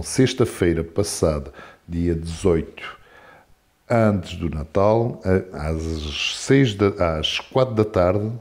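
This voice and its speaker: A man in his forties, a guest in a casual interview, talking in a rambling, animated way with many restarts. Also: low voice. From France. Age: 40s.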